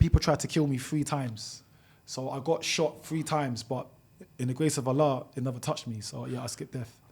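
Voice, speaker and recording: In a London accent, a man speaks at a fairly quick pace with a medium pitch and a somewhat breathy voice. His intonation stays fairly even on a very clean recording with a silent background. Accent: London English, multicultural London English. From East London, England. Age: 20s. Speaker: travel content creator. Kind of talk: interview.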